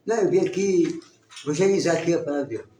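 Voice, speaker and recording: A man's voice: on the high side, animated, fast talker, mellow, a little hiss or hum, close to an everyday voice. A man voicing a humble preacher who insists on entering a farm to pray, recorded in a roomy space from a distant mic. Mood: insistent. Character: humble, stubborn male preacher.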